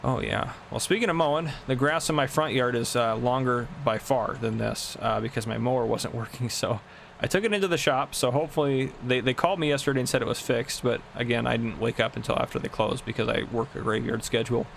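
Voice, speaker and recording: Here the same kind of speaker, a twenty-something man hosting a gaming channel, rambles and laughs through casual farming-game commentary in a room at home. He talks a little fast in a steady, mid-range voice that's creaky and fairly bright, over slight background noise.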